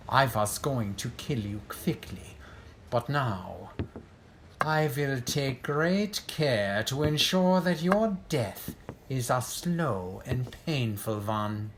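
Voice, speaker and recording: Smug nazi general, slow and theatrical, swingy pitch, bit of noise. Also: male voice, very animated. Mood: cruel amusement. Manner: pompous, theatrical, mock-courteous. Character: ruthless, smug Nazi general, coldly polite villain. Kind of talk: audio drama acting.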